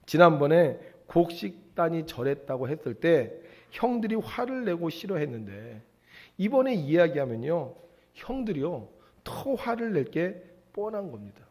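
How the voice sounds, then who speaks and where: A male pastor preaching a sermon, telling a story in an animated way and asking the congregation questions. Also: fairly high pitch, normal speed.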